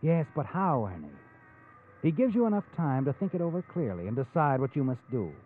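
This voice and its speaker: A man's voice: fairly high pitch, big pitch swings, a little fast, slight background noise. An American man playing a sardonic, all-knowing narrator of a 1940s radio mystery, taunting and dramatic. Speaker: narrator and host. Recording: tinny old radio recording, music behind. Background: music.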